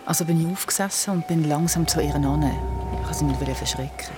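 A woman's voice: low-pitched, a little fast, background noise, close to an everyday voice. An actress with a Swiss German accent playing a young woman who tells her friends a suspenseful ghost story in a radio drama. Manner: vivid, suspenseful. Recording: radio drama over loud music.

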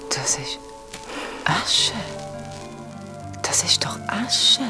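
A woman's voice: very slow, whispered. A woman voicing a frightened young woman with a Swiss German accent, pleading and breathless. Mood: fearful. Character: frightened young woman waking beside a ghost. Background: music.

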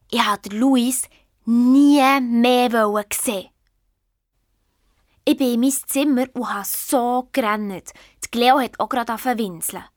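A woman voicing a headstrong, hot-tempered young girl in an audio drama, narrating in a lively, indignant way with a Swiss German accent. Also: a little high, no room sound, studio quality. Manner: lively, indignant, quick to flare up. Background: faint background music.

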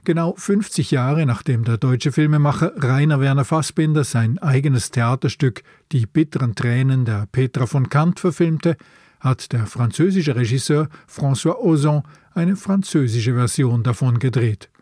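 A man's voice: medium pitch, animated, normal speed, dark tone, dry recording, clean studio sound. A man hosting a film podcast, presenting from a script. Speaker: podcast host.

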